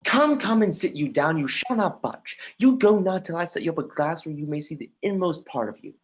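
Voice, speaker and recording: A husky, mid-pitched voice plays an anguished young prince in an actor's stage reading. The delivery is declamatory Shakespearean verse, accusing and scornful. It moves between muttering and outbursts, with the odd stumble over a line. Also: animated, a little fast. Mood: scornful, defiant. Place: remote livestream from home.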